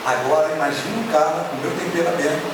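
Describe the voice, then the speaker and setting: A middle-aged Brazilian preacher with a fairly high voice, telling stories with lively acted-out dialogue. He is heard from a distance, and a long echo fills the church hall. Steady background noise sits under his voice. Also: quick pace. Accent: Brazilian Portuguese. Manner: animated storytelling, acts out dialogue. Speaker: pastor. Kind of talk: sermon. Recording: echoey church hall, distant mic, noisy.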